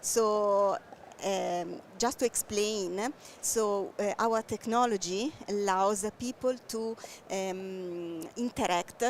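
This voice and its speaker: A woman from Italy with an Italian accent, a native Italian speaker, explaining her company's technology in a trade show interview, with many pauses and fillers. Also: mid-range voice, slight background noise. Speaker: tech company guest. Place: busy trade show floor. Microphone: headset.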